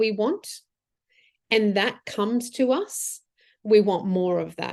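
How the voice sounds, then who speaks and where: A woman talks in an Australian accent. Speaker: spiritual mentor. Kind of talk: podcast interview.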